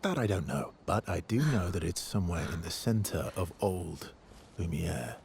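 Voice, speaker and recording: An actor playing a weary, guarded man who has traveled with many expeditions, speaking calmly in a game cutscene. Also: normal speed, gravelly, a little hiss or hum. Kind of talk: video game cutscene acting. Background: cello and double bass score.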